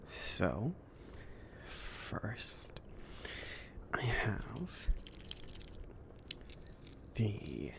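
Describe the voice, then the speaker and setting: A man playing a chill, friendly mage in an ASMR roleplay, speaking softly between whisper and murmur in a casual, hesitant, rambling way. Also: on the low side, heavily acted. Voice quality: soft, breathy whispering mixed with murmured speech. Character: chill, friendly male mage kindly outfitting his apprentice.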